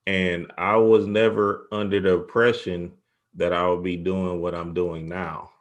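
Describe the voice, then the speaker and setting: A man's voice: deep voice, little pitch movement, measured pace. A man hosting a casual spiritual interview, speaking in an informal, slangy way. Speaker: interviewer and show host.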